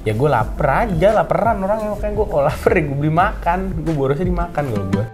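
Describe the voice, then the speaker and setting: A man's voice: on the high side, very animated, fast, loud music behind the voice. A young man, chatting casually and teasing his friends, laughing often. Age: young adult. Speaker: interviewee. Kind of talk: casual joking chat.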